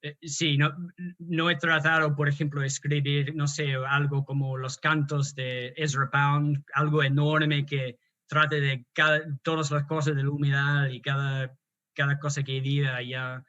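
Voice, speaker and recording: An Australian man, speaking Spanish as a second language, talks with a slightly high voice and plenty of hesitations and restarts. The recording sounds dull and lo-fi, like a muffled call. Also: flat delivery, unhurried, bright, forceful tone. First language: English. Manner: hesitant, many restarts and fillers. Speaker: guest poet and translator. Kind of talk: conversational interview.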